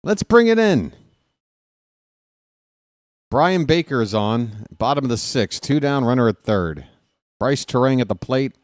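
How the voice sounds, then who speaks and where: A man's voice: mid-range voice, unhurried, long pauses, no room sound, clean studio sound. A man in his late forties doing casual live play-by-play of a baseball game, mixing calls with wry, sarcastic asides and grumbling. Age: 40s. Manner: gets loud and animated when ranting. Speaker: fan play-by-play broadcaster.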